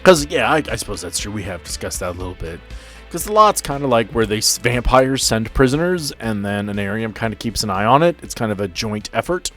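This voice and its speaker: Lively man running a tabletop game. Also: lowish voice, fairly quick, faint music behind. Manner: conversational, addresses players directly. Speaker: game master and host. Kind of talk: narrating a tabletop roleplay podcast.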